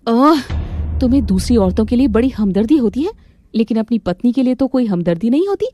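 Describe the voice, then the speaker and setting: A woman's voice: on the high side, sing-song, fairly quick, warm tone, soft background music. A woman voicing a hot-tempered young wife in a cartoon, scolding and commanding.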